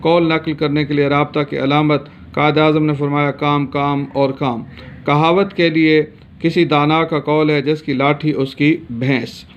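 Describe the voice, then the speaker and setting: Higher-voiced man teaching grammar, lo-fi. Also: unhurried, slight background noise. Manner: steady explanatory reading with frequent hesitation sounds. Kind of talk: grammar lesson. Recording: dull lo-fi recording.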